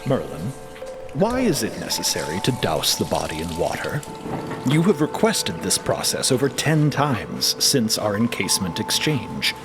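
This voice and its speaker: Childlike, literal-minded humanoid played by a man, low register, stilted formal delivery, curious and obedient, audio drama. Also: sing-song, a little slow, music in the background. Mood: puzzled, formal. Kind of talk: scripted audio fiction dialogue.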